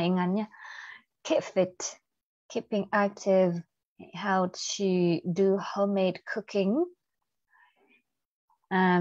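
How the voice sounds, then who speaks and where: A young woman teacher with a Vietnamese accent leads an online IELTS class, mixing Vietnamese and English and quizzing her students. She speaks slowly and deliberately. The sound is dry and a little muffled. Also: mid-range voice, a little mellow, no echo. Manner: mixes Vietnamese and English, asks students questions. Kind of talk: livestream English lesson.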